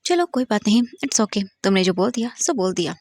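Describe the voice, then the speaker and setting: A woman's voice: mid-range voice, very animated, fairly quick, darkish tone, no room sound. Woman narrator voicing a playful young husband, teasing and mock-hurt, dry close sound.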